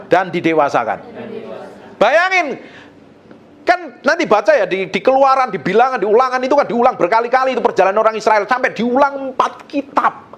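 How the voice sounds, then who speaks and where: A pastor, preaching a sermon in a joking, colloquial, animated way. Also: male voice, sits high.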